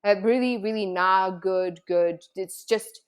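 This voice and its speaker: A woman from the Czech Republic, talking casually to viewers as a coach, telling personal stories in a chatty, animated way full of "like"s. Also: mid-range voice, a little slow, clear, resonant tone. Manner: chatty, animated storytelling with many "like"s.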